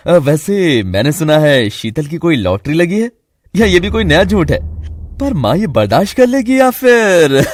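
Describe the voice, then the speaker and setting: A wry, chatty young son closing out a cartoon episode, talking straight to the viewers in a lively, slightly high voice, as a man plays him. The sound is dry and close. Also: no echo. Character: wry young adult son hosting the outro.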